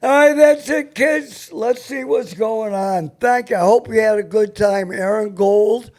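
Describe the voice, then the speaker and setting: A man's voice: high voice, measured pace, a little mellow. An older man hosting a casual talk show, telling stories and bantering in a blunt, profane way. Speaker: show host.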